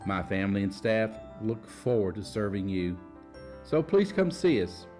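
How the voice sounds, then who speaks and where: Guy reading a jewelry store ad, lowish voice, guitar music behind. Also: sing-song, normal speed, darkish tone. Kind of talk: radio ad read.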